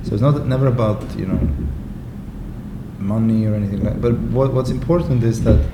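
A middle-aged man whose first language is Icelandic, a guest speaking in a casual interview. He has a relaxed, wry, self-deprecating way of talking. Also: on the low side, fairly quick. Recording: roomy, with clear ambient background noise.

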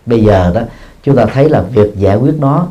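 A Buddhist monk teacher with a mellow, expressive, mid-range male voice gives a dharma talk answering questions in a practice hall in Japan. He explains things patiently, peppers his phrases with a drawn-out filler, and chuckles at himself.

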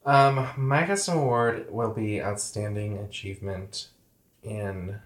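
A man's voice: fairly low pitch, fairly even intonation. A man in his thirties co-hosting a podcast, joking and teasing his co-host and guest in casual chat. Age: 30s. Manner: joking, teasing, quick interjections. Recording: echoey room with faint noise.

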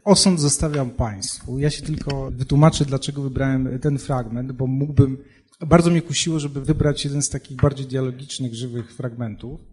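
A man who hosts a literary discussion, reading a prose passage aloud in a steady voice and then talking about it with some hesitation. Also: medium pitch, normal speed, slightly rough.

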